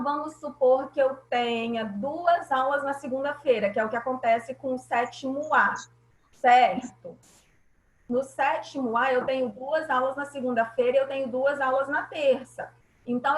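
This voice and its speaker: A woman's voice: high voice, echoey room, low-quality recording. A woman teacher with a Brazilian Portuguese accent, patiently explaining grammar in an online class and often checking that students follow.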